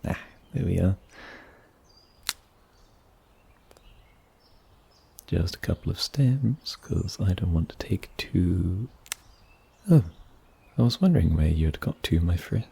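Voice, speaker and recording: A man playing a gentle, wary and kindly forest mage in a fantasy ASMR roleplay, soft-spoken and a little hesitant. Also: deep voice, expressive, moderate pace, creaky, breathy edge, exaggerated voice. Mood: relaxed, musing.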